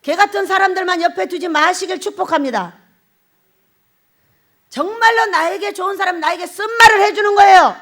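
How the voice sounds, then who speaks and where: A middle-aged woman pastor preaching a sermon in an animated way, laughing often and putting questions to the congregation. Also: very high-pitched, a little fast.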